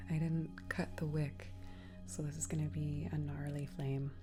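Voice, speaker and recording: A woman speaks softly in a gentle tone, her pitch very deep and low. Music plays in the background. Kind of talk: ASMR soft spoken positive affirmations. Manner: soft-spoken, gentle.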